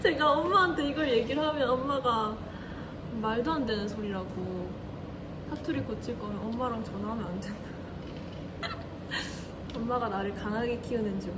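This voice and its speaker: This twenty-something Korean idol hosts a livestream, giggling and chatting casually as she reads out and replies to comments in a slight regional dialect. Her slightly high voice moves at a normal speed with frequent pauses, and the recording is very noisy.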